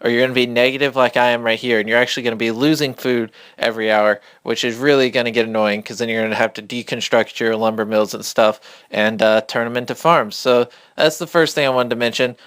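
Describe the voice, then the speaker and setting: A man giving a casual, off-the-cuff game tutorial, speaking quietly but clearly, close to a phone mic. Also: medium pitch, steady tone, fast, hardly any pauses, no echo. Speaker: gamer hosting a beginner's tutorial. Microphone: phone held a couple of inches from the mouth.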